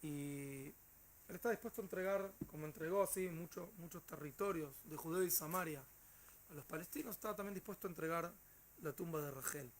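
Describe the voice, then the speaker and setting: A male teacher with a Rioplatense Spanish accent, telling a story to his class in an animated way with hesitant fillers. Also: on the high side, fairly quick, a little hiss or hum.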